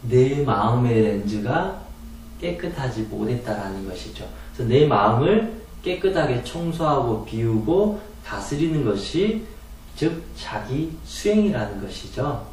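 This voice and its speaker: A man's voice: medium pitch, very animated, a little slow, a little mellow, slight background noise. Man lecturing in a very echoey room. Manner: earnest, explanatory, rhetorical questions, acts out quoted pleas. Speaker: meditation and hypnosis lecturer. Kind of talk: spoken lecture on calming anger. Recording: very echoey room, distant mic.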